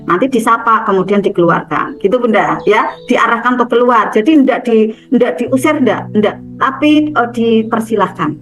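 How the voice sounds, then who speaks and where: Woman, slightly high pitch, seminar speaker who chats and acts out dialogue, faint music underneath. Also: moderate pace, fairly bright tone, poor audio. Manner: chatty, repeats "gitu kan", acts out dialogue. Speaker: self-development speaker. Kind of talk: casual seminar talk.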